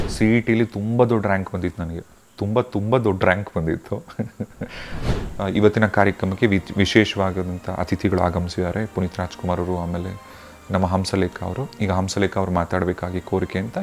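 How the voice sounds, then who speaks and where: Music plays in the background as a man speaks. His voice is very deep and low, with fairly even intonation. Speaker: radio jockey. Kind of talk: interview answer. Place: home room.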